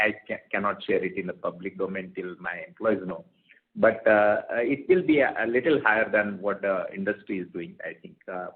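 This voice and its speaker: A man, a company executive answering questions on an earnings call in halting phrases with repeated words. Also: on the low side. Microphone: telephone conference call. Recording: tinny narrowband conference phone line.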